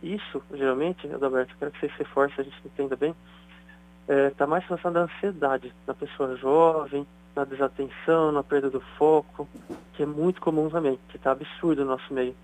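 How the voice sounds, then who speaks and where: A man's voice: on the high side, steady tone, brisk, darkish tone, rough recording. A man, a doctor, explaining things in a chatty radio interview. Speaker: neurosurgeon guest.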